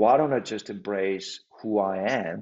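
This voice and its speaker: This man speaks with a Danish accent at a fairly low pitch. His pace is very slow, and his pitch varies in an ordinary way. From Denmark. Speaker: author and keynote speaker. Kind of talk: interview conversation.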